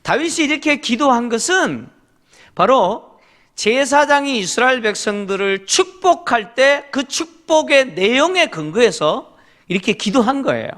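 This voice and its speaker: Unhurried and sing-song, his very high voice has a fairly bright tone. This middle-aged pastor preaches in Korean with emphasis, leading the congregation in reading scripture aloud while tossing out rhetorical questions and short affirming interjections.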